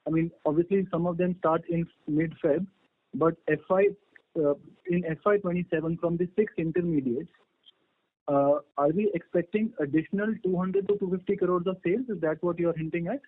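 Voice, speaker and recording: A man's voice: on the high side, moderate pace, dry recording. A man with an Indian accent asking questions as an analyst on an earnings call, politely and hesitantly checking what he has understood. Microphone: phone call. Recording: dry, thin phone-line sound.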